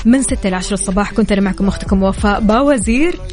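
A woman's voice: mid-range voice, rapid-fire, a little mellow. A woman co-hosting a radio morning show, chatting playfully and announcing contest business. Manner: playful, bantering. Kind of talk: lively casual radio chat and contest announcing. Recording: music bed behind the voice. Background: music.

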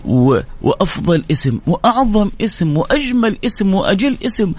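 A man's voice: high-pitched, sing-song, moderate pace, a little mellow. A man preaching an emotional sermon, pleading and repeating phrases with stammered restarts.

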